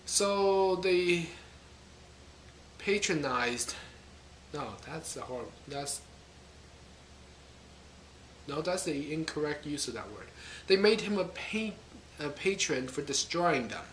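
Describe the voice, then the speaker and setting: Guy vlogging in an echoey room, kinda high bright voice, wry, keeps correcting himself. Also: animated, slow pace, pauses often, slight background noise. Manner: thinks aloud, self-correcting, wry. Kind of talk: rambling casual monologue.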